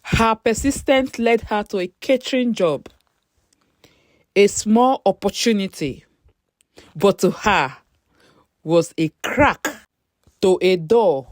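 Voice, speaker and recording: A woman narrating a scripted story in a measured, dramatic storytelling manner. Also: mid-range voice, dry recording, clean studio sound.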